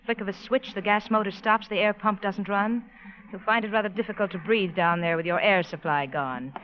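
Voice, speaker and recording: A woman's voice: mid-range voice, a little fast, slight background noise, close to an everyday voice. An actress playing a greedy, ruthless woman doctor, speaking formally and precisely in old radio drama style. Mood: cold, menacing. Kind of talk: 1940s radio acting. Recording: dull old-time radio recording.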